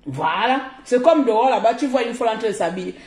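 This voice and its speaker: A woman's voice: on the high side, expressive, fast talker, darkish tone, echoey room. A woman from Cameroon with a Cameroonian French accent, giving blunt, mocking live commentary as a streamer.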